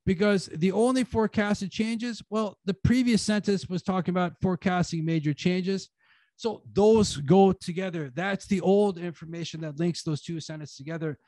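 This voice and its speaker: A man with a fairly high voice gives an easygoing conference talk on editing, peppering it with "like" and "you know." His voice comes through a video call, close and dry with no room sound. He speaks loosely and informally. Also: normal speed, mellow, dry recording. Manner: casual, filler-heavy, uses "like" and "you know". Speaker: guest speaker, writing teacher. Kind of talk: conference talk to an online audience.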